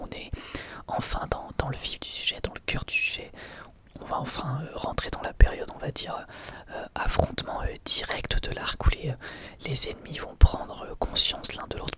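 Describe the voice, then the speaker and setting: A man whispering an ASMR review in French, hesitant and thinking aloud as he goes. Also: fairly high pitch. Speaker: host reviewing an anime episode.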